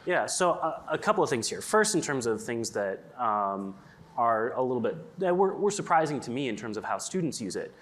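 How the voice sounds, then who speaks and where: Man, conference panelist, casual and rambling, mid-pitched. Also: very animated, brisk, a bit bright. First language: English. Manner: chatty, lots of likes and ums. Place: conference stage.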